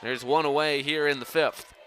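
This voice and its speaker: A man's voice: on the high side, fairly even intonation, moderate pace, sharp tone, some chatter behind, poor audio. A young man calling live sports play-by-play in a projected voice that rises for big plays. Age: young adult. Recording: faint ambient outdoor noise behind.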